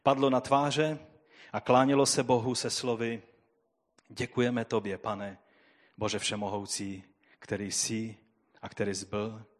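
A man preaching a sermon and reading scripture aloud, swinging between loud, drawn-out proclamation and quiet, low asides. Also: little pitch movement.

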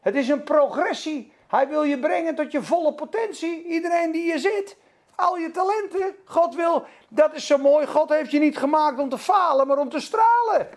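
A man's voice: very high-pitched, normal speed. A man preaching a sermon, fervent and emphatic, calling out to his listeners. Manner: fervent, emphatic, acts out dialogues.

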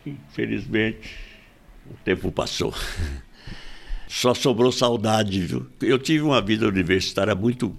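A man's voice: fairly low pitch, measured pace, vocal fry, long pauses. A Brazilian man in his nineties, a retired agronomist being interviewed, who repeats himself and tags his sentences with questions. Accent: Brazilian Portuguese. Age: 90s. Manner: tag questions, frequent repetitions and restarts. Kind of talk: casual chat.

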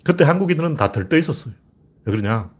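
Older guy with a husky voice just rambling blunt and rough, casual monologue. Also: fairly high pitch, lively intonation, quick pace. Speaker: commentator. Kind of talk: casual spoken commentary monologue.

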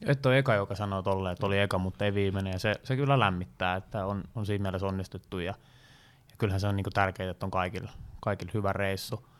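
A man hosting a casual fan podcast, telling a story with many fillers in a lively, rambling way. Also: sits low, clean tone. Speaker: podcast host, fan group organizer. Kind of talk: casual chat, anecdote telling.

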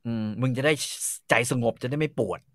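A man telling a story in a casual chat, animated and full of crude slang, acting out bits of dialogue. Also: mid-range voice, brisk, dry recording, clean studio sound. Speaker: storyteller host.

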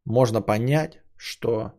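A man's voice: medium pitch, slow pace, a little mellow. A man hosting a podcast stream, reading out donations and rambling casually with many hesitations and blunt swearing. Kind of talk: casual livestream chat.

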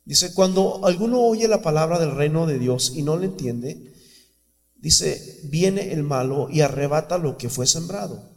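A man's voice: fairly high pitch, animated, unhurried, creaky, in a large hall. A man preaching a sermon in a church, fervent and conversational, often calling the listener "brother". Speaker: pastor.

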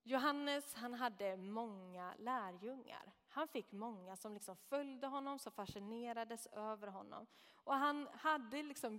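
Woman Bible teacher, high-ish voice, reflective and explanatory, long hall reverb. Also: a bit bright. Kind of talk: scripture reading and commentary.

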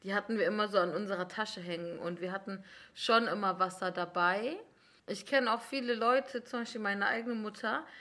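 A woman's voice: mid-range voice, moderate pace, sharp tone. A young adult woman co-hosting a casual chat, talking in a chatty way with vivid everyday examples. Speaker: podcast co-host.

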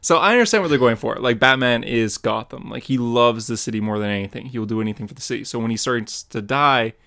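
A man's voice: medium pitch, quick pace, gravelly, fairly bright tone. Giggly man rambling in casual chat. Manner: rambling and giggly, laughs often mid-sentence. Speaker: podcast co-host and comic artist.

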